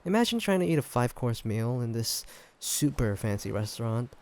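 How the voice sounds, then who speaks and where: A gravelly, creaky boyfriend played by a man in an intimate roleplay audio drama. He talks casually and a little haltingly, with a fond, teasing way of addressing his partner, at an ordinary male pitch. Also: sing-song. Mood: wry, reassuring. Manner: casual, halting, gently teasing, chuckling delivery. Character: affectionate, teasing human boyfriend on a fancy date.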